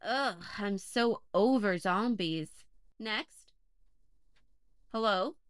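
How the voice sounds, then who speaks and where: A woman in an audio play as a chatty, wry podcast host, talking at a middling pitch. The sound is close and dry, with no room around her. She brushes off suggestions with quick, dry remarks. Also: no echo.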